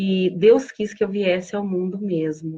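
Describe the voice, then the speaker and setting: A woman talks at a fairly slow pace in a normal speaking voice with ordinary pitch variation. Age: 40s. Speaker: artist sharing her life story. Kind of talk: testimony. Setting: live video stream.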